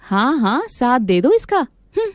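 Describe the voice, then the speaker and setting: A woman's voice: high-pitched, very animated, unhurried, slight background noise, pitched above the performer's own voice. A woman voicing a hot-tempered young wife in a cartoon, scolding and commanding.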